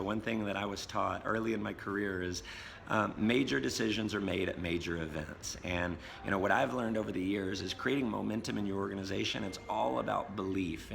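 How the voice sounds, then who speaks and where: An American man who has lost his voice, hosting an upbeat casual interview with a hoarse voice and many fillers. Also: lowish voice, a bit bright. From United States. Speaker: host and network marketing coach. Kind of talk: casual video blog interview. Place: hotel lobby. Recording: reverberant space with faint noise.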